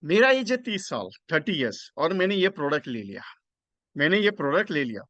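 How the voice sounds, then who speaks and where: A man's voice: a little high, big pitch swings, brisk, fairly bright tone, no room sound, highs cut off. A man teaches insurance agents in an online session. He mixes into his explanations, repeats key phrases and quizzes his listeners on the numbers. The sound is dry and close. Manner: works through numbers step by step, asking the audience questions. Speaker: insurance sales trainer.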